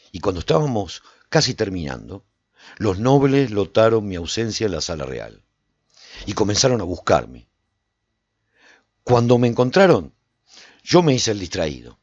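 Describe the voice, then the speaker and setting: A man playing a reflective survivor, narrating a post-apocalyptic radio serial in the first person in a measured, dramatic way. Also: on the low side, darkish tone, dry recording, highs cut off. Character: reflective male survivor recounting life in a post-apocalyptic walled city.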